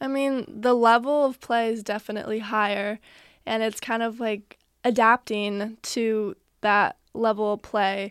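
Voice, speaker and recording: A woman uses an ordinary speaking voice, fairly high in pitch, with fairly even intonation at a fairly slow pace. The sound is dry and close with no echo, on a very clean recording with a silent background. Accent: American. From California. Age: young. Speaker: college volleyball player. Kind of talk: casual interview.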